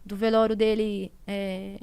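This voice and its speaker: A Brazilian woman in her thirties, a podcast guest, recounting a loss in a halting, emotional way with many fillers. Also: mid-range voice, little pitch movement, darkish tone, clear, resonant tone, no echo. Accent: Brazilian Portuguese. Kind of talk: emotional personal storytelling.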